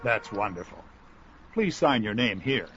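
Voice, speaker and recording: A man's voice: lowish voice, big pitch swings, measured pace, fairly bright tone. Polite man asking questions, lo-fi. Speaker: interviewer in lesson dialogue. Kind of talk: scripted dialogue. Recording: dull lo-fi recording with faint noise.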